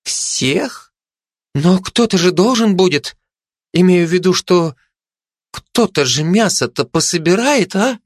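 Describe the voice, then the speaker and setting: A man voicing a gluttonous, excitable female dog who squeals and rambles dreamily about food, in a dry close recording. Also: high voice, slow, dry recording, voice pushed up, exaggerated voice. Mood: insistent.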